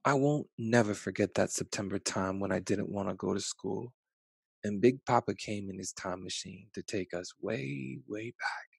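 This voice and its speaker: A man's voice: on the low side, moderate pace, creaky, slightly rough, no echo. An American man around forty reading and talking to children at storytime, addressing them directly with questions on a headset mic. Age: 30s or 40s. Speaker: children's author reading aloud. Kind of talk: children's storytime talk and read-aloud. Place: small bedroom at home. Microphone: headset microphone.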